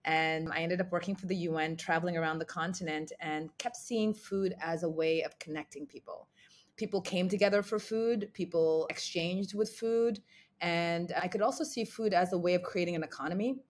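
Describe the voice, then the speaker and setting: A woman chef born in Ghana and raised in New York, answering interview questions in a thoughtful, measured way. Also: on the low side, a little hiss or hum. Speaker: chef, guest.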